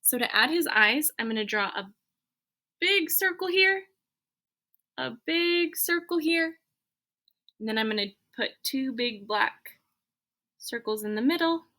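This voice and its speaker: Her high-pitched, animated voice is pushed and bright, moving at a measured pace with frequent pauses. As an elementary teacher, she guides children through a step-by-step drawing, encouraging them simply and thinking aloud.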